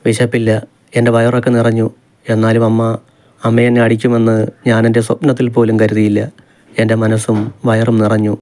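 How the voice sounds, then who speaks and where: A man reading the lines of a tearful, stubborn young wife in an audiobook story, low-pitched and flat. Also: a little fast, close to an everyday voice. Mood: hurt. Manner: pleading, defiant.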